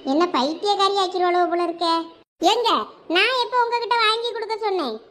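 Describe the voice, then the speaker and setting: A woman's voice: very high voice, expressive, brisk, fairly bright tone. A woman voicing a short-tempered, sarcastic village wife in a cartoon, scolding and complaining in a Thoothukudi Tamil accent. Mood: exasperated. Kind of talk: dialect cartoon family comedy dialogue.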